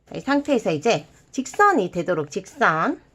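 A woman hosts a hands-on craft tutorial for children. Her voice is somewhat husky with animated pitch, and she guides each step in simple repeated phrases sprinkled with playful sound words. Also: moderate pace. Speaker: host of a children's origami tutorial.

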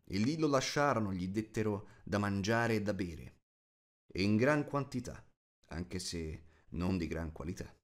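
A man narrating a fantasy audiobook as a scripted, expressive storyteller. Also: on the low side.

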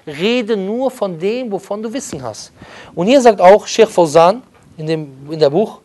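A young man teaching a religious class, lecturing emphatically and reciting Arabic passages quickly. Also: sits high, animated, darkish tone. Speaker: religious instructor. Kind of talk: religious lesson.

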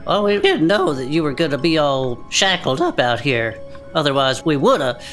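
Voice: mid-range voice, big pitch swings, normal speed, a bit bright, soft background music. A player bantering casually in character during a tabletop game.

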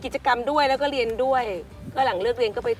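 A woman's voice: high voice, steady tone, fast. A middle-aged woman, the mother of a family travel show, chatting casually outdoors at a lakeside. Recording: loud background music.

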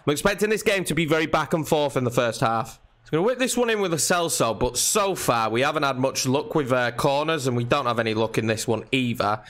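Chatty young man, slightly croaky. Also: a little high. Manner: chatty, excitable at chances. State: slightly nasal and croaky from a cold. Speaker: gaming channel host. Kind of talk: casual gameplay commentary.

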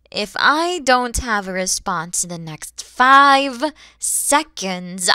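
Female actor for a proud dragon mother, audio roleplay: highly expressive, slow, theatrical menace with breathy drops. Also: no room sound, studio quality. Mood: haughty, threatening. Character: proud, wary, motherly female dragon guarding her egg. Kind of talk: ASMR audio roleplay acting.

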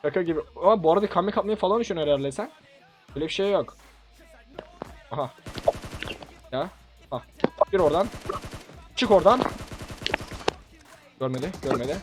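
A young man with a slightly high, expressive voice talks a bit fast and pauses often, with music playing behind him. He's a gaming YouTuber doing excited commentary on a shooter match for his channel, playful and teasing, breaking into laughing shouts.

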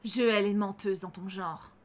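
A woman voicing a vengeful female tree spirit from a visual novel game, speaking slowly and menacingly. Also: mid-range voice, steady tone, voice pushed down, natural voice. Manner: slow, menacing delivery.

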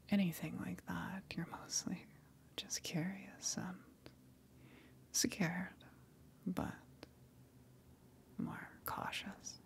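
A gentle, lonely female eldritch monster, played by a woman, speaks in a low, creaky whisper. She is patient and coaxing, with soft, halting reassurance in an intimate ASMR roleplay style. The pace stays very unhurried. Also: exaggerated voice. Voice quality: breathy whisper.

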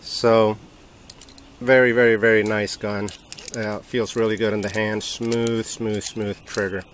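A man casually comparing two tools on a workbench, relaxed and halting, with many ums and uhs. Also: lowish voice, a little hiss or hum. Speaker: hobby channel host reviewing tools. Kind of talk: casual hands-on product comparison.

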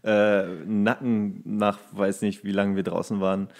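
A man's voice: lowish voice, completely flat delivery, unhurried, a little mellow. Joking man in loose podcast banter. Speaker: podcast co-host. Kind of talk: casual comedic podcast banter.

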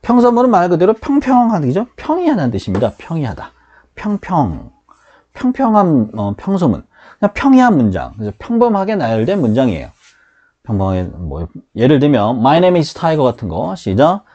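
Lively man teaching beginner grammar. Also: on the high side, moderate pace, dull audio. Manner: lively, drills students with call-and-repeat. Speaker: English teacher.

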